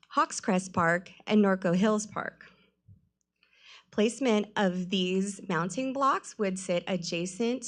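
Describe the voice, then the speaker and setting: A woman delivering a formal report as a staff member at a public meeting. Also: mid-range voice. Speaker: city staff member presenting. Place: council meeting room.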